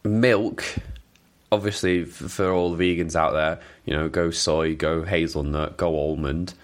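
Welsh man, very low voice, young adult, casual rambling chat, self-deprecating podcast host. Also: steady tone, a little slow. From Wales. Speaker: podcast host answering listener questions.

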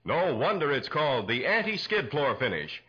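A man working as a 1940s radio announcer, delivering lines as an emphatic sales pitch. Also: big pitch swings, normal speed, husky. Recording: dull lo-fi 1940s radio recording.

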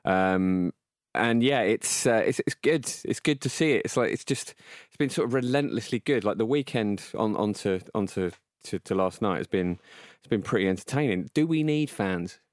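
Man, low voice, rambling, jokey, podcast co-host, dry recording. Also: animated, normal speed, no room sound. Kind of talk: casual chat.

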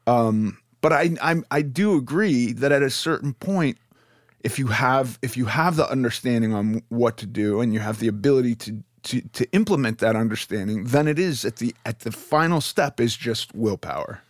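Man hosting a podcast, halting, dry. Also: mid-range voice, no room sound. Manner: halting, restarts, thinking aloud. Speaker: podcast host. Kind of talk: casual podcast chat.

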